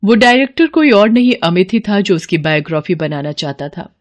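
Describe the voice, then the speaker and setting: A woman reading a storybook tale in steady, measured narration. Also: medium pitch.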